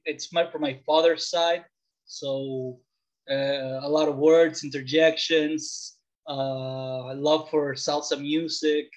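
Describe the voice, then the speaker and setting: Male guest from the Dominican Republic, around forty, conversational, pitched a little high, mildly lo-fi sound. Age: late 30s or older. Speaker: podcast guest. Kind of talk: casual interview, personal storytelling. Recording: slightly dull, lo-fi audio.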